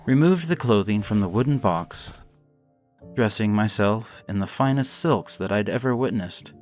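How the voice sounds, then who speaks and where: Low-voiced man narrating gothic horror. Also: lively intonation, a little mellow, soft background music. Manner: measured, deliberate storytelling.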